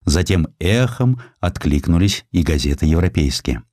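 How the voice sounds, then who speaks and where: A man narrating a historical story in an expressive, dramatic audiobook style with folksy irony, close to a studio microphone. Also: sits low, moderate pace, no room sound.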